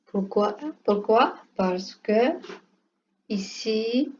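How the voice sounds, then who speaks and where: Woman teacher, slow patient classroom explanations, warm low tone, muffled lo-fi recording with light hiss. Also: animated. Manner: repeats "ok" often, simple halting phrasing. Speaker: French teacher. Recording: dull lo-fi recording with faint room noise.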